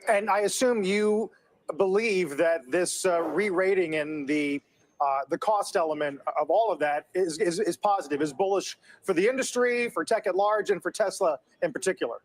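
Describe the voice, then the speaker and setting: A man's voice: sits high, moderate pace. A man anchoring a business TV interview, asking polished, leading questions of his guest. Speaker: TV news anchor.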